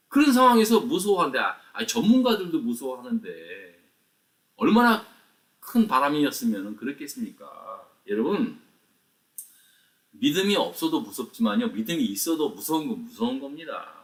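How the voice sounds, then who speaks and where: A man's voice: a little high, sing-song, moderate pace, fairly bright tone, recorded from a distance. A man preaching a conversational sermon at a morning prayer meeting, asking the listeners rhetorical questions. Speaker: pastor.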